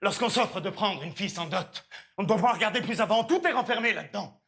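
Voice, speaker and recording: Stage comedy: smooth young servant-suitor, bright declamatory tone. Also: male voice, high voice, lively intonation, fast talker. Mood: persuasive. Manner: persuasive, declamatory verse-like delivery. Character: young male steward, smooth flattering schemer. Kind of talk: classical stage comedy acting.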